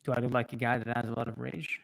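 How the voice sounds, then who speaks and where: A man with a French accent, a native French speaker, chatting casually on a livestream and answering viewers in a halting way, often pausing mid-sentence. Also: mid-range voice, little pitch movement, gravelly, fairly bright tone, low-quality recording. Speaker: livestream host.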